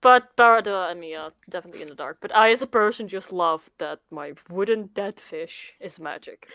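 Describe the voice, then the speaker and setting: A woman's voice: medium pitch, a little fast, fairly bright tone, dry recording. A woman chatting casually as a player in a tabletop roleplaying game, on a lo-fi recording. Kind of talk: casual chat. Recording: slightly dull, lo-fi sound.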